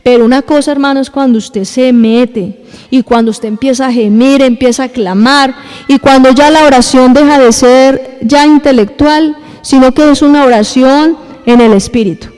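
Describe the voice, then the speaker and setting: A woman's voice: high-pitched, steady tone, moderate pace, a little mellow, clean tone, in a large hall. A woman pastor, preaching a sermon to her congregation and acting out little scenes for them. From Colombia. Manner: addresses the congregation directly, acts out little scenes. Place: church hall.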